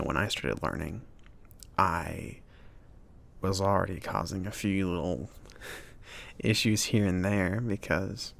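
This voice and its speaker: A man playing a friendly, awkward mage who runs a magic shop, rambling and reassuring in a soft-spoken ASMR roleplay. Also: sits low, creaky, exaggerated voice. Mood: sheepish, reminiscing. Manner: rambling, hesitant, reassuring, with nervous chuckles.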